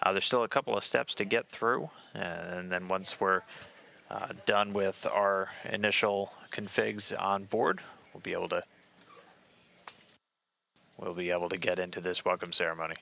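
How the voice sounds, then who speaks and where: Male live commentator, measured and explanatory, low-pitched, crisp-edged voice with vocal fry. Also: flat delivery, pushed and bright. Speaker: mission broadcast commentator.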